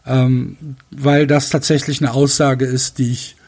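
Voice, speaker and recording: A man's voice: mid-range voice, little pitch movement, unhurried, darkish tone. A man hosting a casual podcast chat, venting at length with frequent hesitations and restarts. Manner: frustrated rant full of fillers and restarts. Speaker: podcast host.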